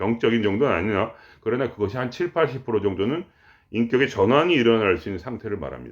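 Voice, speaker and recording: At a fairly quick pace, a man speaks at medium pitch with very wide pitch swings. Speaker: meditation teacher. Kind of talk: lecture. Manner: rough blunt way of talking; casual, halting with fillers.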